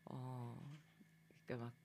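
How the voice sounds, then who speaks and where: Soft-spoken low-voiced Korean woman. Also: monotone, unhurried, vocal fry. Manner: soft, low-key, with trailing quiet phrase endings; acts out her own past complaints in a higher, livelier voice. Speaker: meditation yoga teacher. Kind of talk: casual spoken talk on a daily theme.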